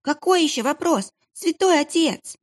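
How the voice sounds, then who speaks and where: A woman's voice: high-pitched, animated, a little slow, voice pushed up. A woman voicing a frightened young kitchen boy who whines and whimpers. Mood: frightened pleading. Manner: squealing, whining, tearful.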